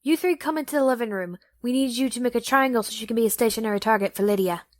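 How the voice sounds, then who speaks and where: A woman's voice: on the high side, fast, dry recording, studio quality, close to an everyday voice. A woman playing a composed, protective female computer program in an audio drama, with matter-of-fact delivery. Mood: urgent, commanding.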